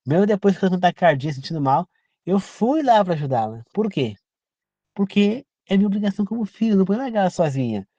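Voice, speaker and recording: A man's voice: sits high, sing-song, quick pace, mellow, no room sound, muffled recording. A man from Brazil giving an informal sermon, earnest and repetitive, often turning to the listener with direct questions. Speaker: preacher. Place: rural home.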